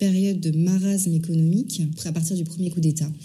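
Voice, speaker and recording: The voice is somewhat breathy, with a dark, mellow tone, a moderate pace and ordinary pitch variation. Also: woman. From Ivory Coast. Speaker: private equity investor. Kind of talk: interview.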